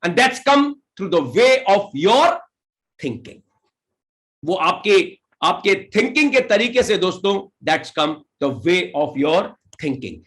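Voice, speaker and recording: Man, Indian English accent, high voice, unhurried pace, motivational seminar, mixes English and quick Hindi. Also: sing-song, fairly bright tone. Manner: mixes slow, deliberate English with rapid Hindi; rallying the audience with questions. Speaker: direct selling leader and motivational speaker.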